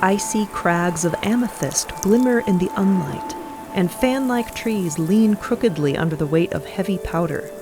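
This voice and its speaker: A woman's voice: medium pitch, animated, normal speed, music in the background. A woman giving wry, descriptive scripted narration for a fiction podcast.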